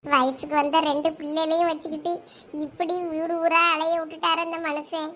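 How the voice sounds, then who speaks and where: A woman's voice: high-pitched, little pitch movement, normal speed, noisy background, lightly acted. A woman with a Thoothukudi accent plays a fed-up village mother in a comedy skit, complaining and scolding her family. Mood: worried. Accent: Thoothukudi Tamil. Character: fed-up village mother who left her drunk husband.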